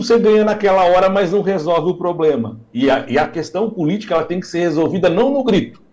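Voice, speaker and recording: A Brazilian man with a fairly high voice, speaking as a panelist on a radio talk show. He tells his points earnestly and thoughtfully. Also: a little mellow. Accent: Brazilian Portuguese.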